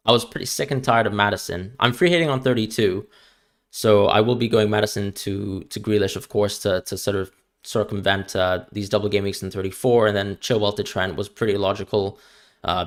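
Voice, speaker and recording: Young male streamer from Hong Kong, international school accent, lowish voice, casual Q&A chatter. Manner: chatty, repeats words when starting sentences. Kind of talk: live-stream Q&A chat.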